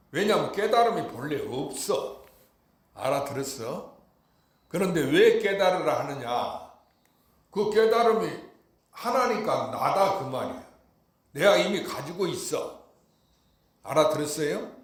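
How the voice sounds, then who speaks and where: A Buddhist monk giving an emphatic Dharma talk, often asking listeners if they understood. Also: male voice, high-pitched. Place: temple dharma hall. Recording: echoey hall.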